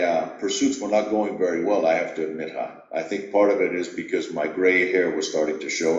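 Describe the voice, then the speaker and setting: A middle-aged man from Greece, an executive coach, telling his story at a measured, reflective pace in an interview. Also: deep voice, echoey room, dull audio.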